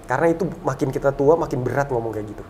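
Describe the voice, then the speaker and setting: A man in his thirties, a talk show guest, telling a personal story in a relaxed, reflective way and going soft and low on sad memories. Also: racing, a little hiss or hum. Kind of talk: casual conversational storytelling.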